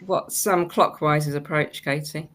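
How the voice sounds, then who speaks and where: A woman's voice: low voice, fairly even intonation, unhurried, a bit bright. A woman moderating a webinar panel as host, putting questions to guests and often rephrasing them tentatively.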